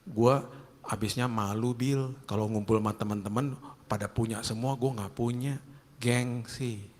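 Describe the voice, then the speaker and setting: A man's voice: mid-range voice, fairly even intonation, unhurried, pitched below the performer's own voice, close to an everyday voice. A man voicing a proud, broke young man with a Jakarta accent who mumbles sheepish excuses. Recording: long hall reverb.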